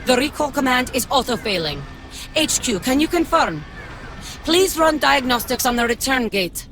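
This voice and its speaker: Dostya, a guarded cyborg commander. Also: female voice, sits high, sing-song, moderate pace, fairly bright tone, a little hiss or hum. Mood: urgent. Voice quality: formal, clipped, precise. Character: female cyborg commander, cold, guarded, distrustful. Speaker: allied commander. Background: game score music.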